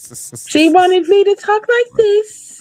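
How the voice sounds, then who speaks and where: An extremely high, squeaky put-on character voice with a cheerful tone, fairly slow in pace, over faint background music. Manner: talking to puppies, high and cheerful.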